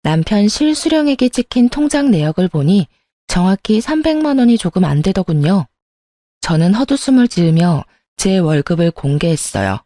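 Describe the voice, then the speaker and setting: A woman narrating a first-person marriage story and voicing her own lines, calm and wry in a confiding way. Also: medium pitch, normal speed, no room sound, clean studio sound.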